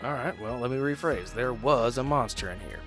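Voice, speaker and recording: A mid-pitched man playing a tabletop game, loose and jokey as he describes his moves. He speaks casually and often trails off. Faint music sits behind him. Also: moderate pace. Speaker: player.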